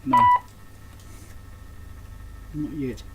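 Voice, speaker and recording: A man giving casual hands-on repair commentary, muttering and thinking aloud as he works at a workbench. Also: drawn-out words. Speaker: electronics repairer presenting his repair. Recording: clear background noise.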